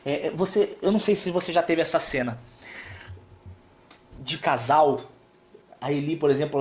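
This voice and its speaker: A man preaching as a pastor on a live stream, soft and calming with hushed stretches and emphatic points. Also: on the high side.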